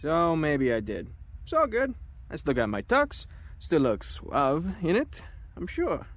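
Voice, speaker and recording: A man's voice: fairly high pitch, huge pitch swings, unhurried. An actor playing an easygoing, cocky male investigator in an audio drama, talking casually. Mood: breezy, self-satisfied.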